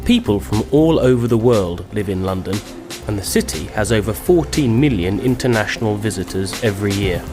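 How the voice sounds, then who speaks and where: A man with a low, steady voice reads a scripted narration for English learners. He speaks slowly and clearly, and loud background music plays under the recording the whole time. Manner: slow, clear and even.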